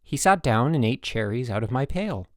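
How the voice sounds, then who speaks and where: A man's voice: medium pitch, animated, moderate pace, no room sound, clean studio sound, close to an everyday voice. Man voicing a chatty, stubborn old country woman. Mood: chatty, reminiscing. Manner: folksy, rambling, emphatic storytelling. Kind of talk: audiobook character dialogue.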